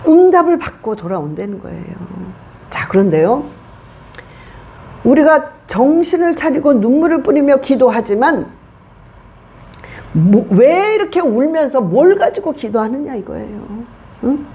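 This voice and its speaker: A woman pastor delivers a passionate church sermon, her high voice swinging widely in pitch. She keeps putting rhetorical questions to the congregation and leans hard on each point. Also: big pitch swings, unhurried, pauses often, dark tone. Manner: emphatic preaching with rhetorical questions.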